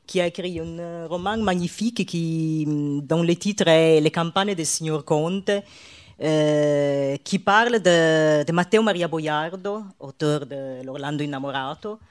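A woman's voice: deep voice, measured pace. A woman with an Italian accent, a guest historian on a panel, speaking hesitantly and often searching for her words. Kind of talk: panel discussion.

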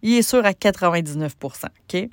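A woman with a Québécois French accent, a business coach hosting a solo podcast, talking conversationally with many pauses and restarts. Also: lowish voice, animated, smooth, dry recording, clean studio sound.

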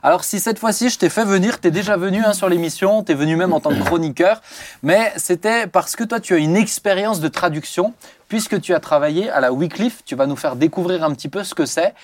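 Guy hosting a christian talk show, kinda high voice, chatty, dry close sound. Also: fairly quick, no echo. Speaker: host.

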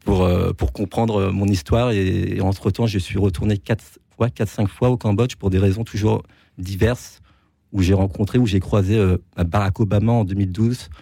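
A man in his forties from Normandy, a photographer answering interview questions in a halting, earnest way with frequent restarts. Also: on the low side, fairly even intonation, creaky, mellow, slightly rough, no room sound. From France (Normandy). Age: 40s. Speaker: photographer guest.

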